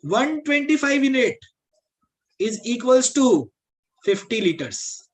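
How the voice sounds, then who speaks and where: A man's voice: extremely high pitch, big pitch swings, slow pace. South Asian male teacher explaining step by step. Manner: repetitive, checks understanding with questions; mixes English with Hindi. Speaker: aptitude teacher. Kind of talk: classroom lesson, explaining step by step.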